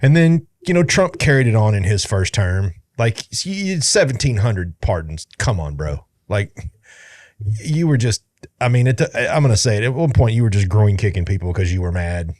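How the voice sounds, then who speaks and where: A man's voice: lowish voice, animated, moderate pace, darkish tone, no echo. A man co-hosting a podcast, giving blunt, emphatic opinions in casual political chat. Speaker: podcast co-host.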